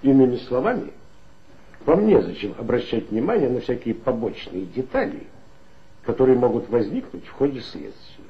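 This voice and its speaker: An actor playing an authoritative male police chief in a 1960s radio play, with a smooth, insinuating, lecturing manner. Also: mid-range voice, very animated, normal speed, natural voice. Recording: dull lo-fi old radio recording.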